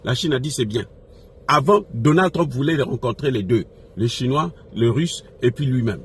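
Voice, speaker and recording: A man speaks in a medium-pitched voice as a political commentator. He talks off the cuff and with passion, hammering phrases by repeating them and throwing out rhetorical questions. There is noticeable ambient noise behind him. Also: lively intonation, moderate pace. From Africa. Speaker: political commentator addressing followers. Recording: noisy recording with background ambience.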